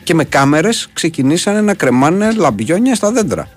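A man's voice: fairly high pitch, big pitch swings, faint music behind. A Greek man co-hosting a radio show, joking and rambling through anecdotes, often trailing off mid-sentence. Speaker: radio co-host. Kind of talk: casual radio banter.

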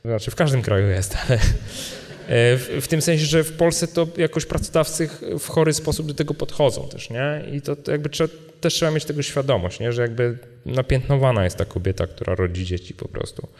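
A man's voice: mid-range voice, fairly quick, a little mellow. Male event speaker, mid-range voice, informal and digressive, long hall reverb. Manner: digressive, often adds tag questions. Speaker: speaker answering audience questions. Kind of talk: informal question-and-answer talk. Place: event hall at a live meetup.

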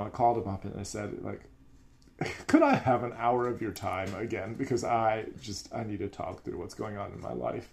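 A man's voice: mid-range voice, darkish tone. A man who teaches music, talking in an earnest, reflective way in a casual podcast chat.

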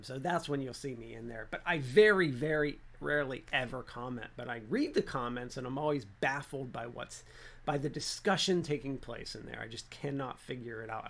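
Chatty man with a gravelly voice. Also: medium pitch, normal speed, fairly bright tone. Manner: chatty, many fillers and restarts. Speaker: vlogger. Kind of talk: casual rambling vlog.

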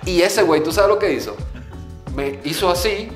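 Animated Caribbean-born man, roomy echo. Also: high voice, moderate pace, faint music behind. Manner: animated, acts out his own shouts when telling stories, heavy slang. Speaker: podcast co-host. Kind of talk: casual chat, storytelling.

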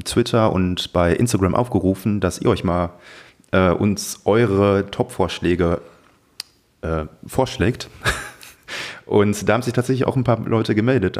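A man from the Ruhr area of Germany chatting casually as a podcast co-host. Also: low-pitched. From Witten, Ruhr area, Germany.

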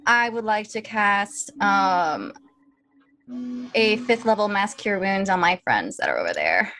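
A woman's voice: mid-range voice, very animated, measured pace, sharp tone, a little hiss or hum, rough recording. A woman playing a tabletop role-playing game and chatting casually with the group. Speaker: player.

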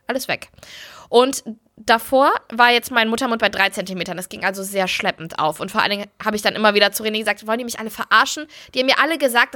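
A woman's voice: a little high, sharp tone. A young woman telling her own story in casual chat, candid and blunt, swearing freely. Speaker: podcast host.

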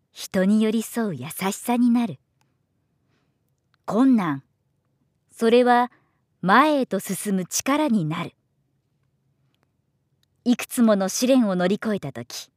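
A woman giving scripted narration as a professional voiceover artist, with a measured, polished delivery. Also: medium pitch, no room sound, clean studio sound.

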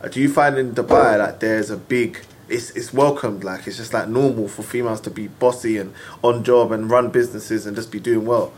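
A man's voice: fairly low pitch, steady tone, fairly quick, few pauses. Laid-back young man hosting. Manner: laid-back, slangy, lots of fillers. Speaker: podcast host. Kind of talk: casual interview chat.

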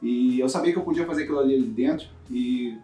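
A man from talks fast and upbeat as an interview guest. He often tags his sentences with little questions. His voice sounds distant and roomy, with music playing faintly underneath. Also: medium pitch, dark tone. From Brazil. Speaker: guest fighter. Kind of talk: casual interview. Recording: roomy, off-mic with music behind.

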